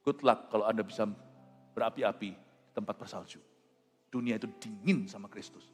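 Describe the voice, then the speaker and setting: A male pastor preaching a sermon in an animated, emphatic way, telling stories and slipping in English phrases. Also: lowish voice, moderate pace, slightly rough. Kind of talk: sermon with storytelling. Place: church. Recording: reverberant church hall with faint music.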